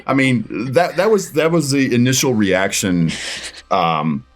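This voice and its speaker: A man chatting casually as an interview guest and voice actor, talking in a rambling, halting way. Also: mid-range voice, very animated, noisy background. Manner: rambling, halting, recounts conversations as acted dialogue.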